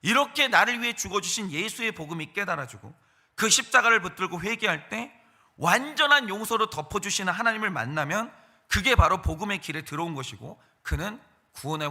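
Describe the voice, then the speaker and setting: A man preaching a morning sermon as a pastor, emphatic and animated, acting out quoted voices as he goes. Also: sits high, brisk. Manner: acts out quoted voices of Satan and believers. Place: church.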